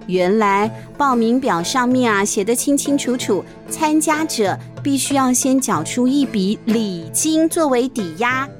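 A woman narrating a children's storybook in a chatty way, stopping to explain things. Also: fairly high pitch. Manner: chatty, explanatory asides with sentence-final particles. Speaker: storyteller, host. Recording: faint music behind the voice.

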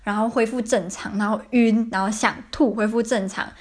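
A woman's voice: fairly high pitch, steady tone, normal speed. Young woman, Taiwanese Mandarin accent, chatty podcast host, casual storyteller. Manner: chatty, repeats herself, many fillers.

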